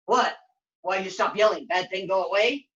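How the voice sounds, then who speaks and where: A woman voicing a grumpy forest monster in a puppet show, blunt and gruff, talking in broken grammar. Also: mid-range voice, moderate pace, fairly bright tone, lo-fi sound, natural voice. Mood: indignant. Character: grumpy forest monster, blunt, easily exasperated, secretly kind.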